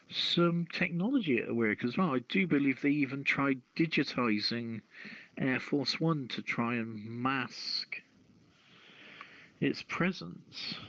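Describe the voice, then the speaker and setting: A man hosting a radio call-in show, reading news and opening discussion in a halting delivery with stumbles. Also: medium pitch, sharp tone. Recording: roomy, dull lo-fi radio-style audio.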